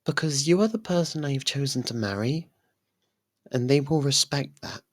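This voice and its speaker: A lovestruck faerie royal, voiced by a performer, speaks in a mid-pitched voice for an intimate ASMR roleplay. The delivery is soft and halting, tender yet anxious, with a clingy, possessive streak. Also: close to an everyday voice. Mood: tender, protective.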